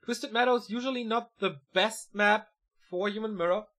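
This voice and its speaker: A man casting a live esports match: fast, excitable play-by-play that climbs at big moments, and relaxed chat with viewers between games. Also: high voice. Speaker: esports caster. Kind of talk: live video game match commentary.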